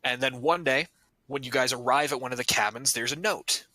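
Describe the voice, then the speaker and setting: A man narrates a tabletop game as game master, loose and joking, and he curses casually. His voice is very bright and sits close and dry. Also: mid-range voice, a little fast, no room sound, low-quality recording. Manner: casual, joking, swears freely.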